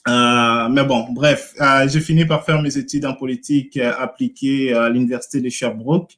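A man from Montreal with Congolese roots talks as an interview guest. His voice sits at an average pitch. He speaks casually, in a hesitant, halting way as he builds his answers. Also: steady tone, a bit bright. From Montreal, Canada, of Congolese descent. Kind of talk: casual live interview talk.

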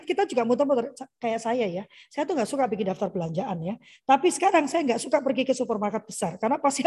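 Middle-aged woman, parenting speaker on a video call, lively and fairly high-voiced, mimics kids. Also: husky. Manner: lively, mimics children's voices in quoted lines. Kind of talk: conversational online parenting talk.

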